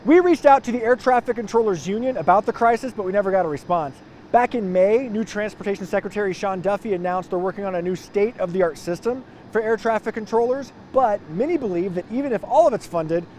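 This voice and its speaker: A man's voice: high-pitched, a little fast, darkish tone, slight background noise. A man with an American accent working as an investigative TV news reporter, delivering scripted reports and questions. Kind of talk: scripted news narration and interviewing.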